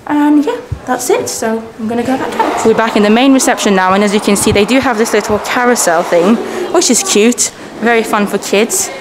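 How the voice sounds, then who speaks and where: Holding the camera herself, a woman in her thirties whose first language is Persian walks viewers around a hotel lobby and hallways for her travel vlog. Her talk is brisk and nearly pause-free, cheerful and chatty with lively swings in pitch, captured in noisy camera audio.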